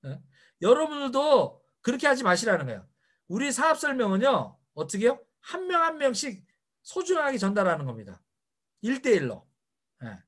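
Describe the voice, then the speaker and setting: A man's voice: very high voice, huge pitch swings, moderate pace, a bit bright. A middle-aged man giving a motivational seminar lecture, firing rhetorical questions at his audience. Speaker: seminar speaker.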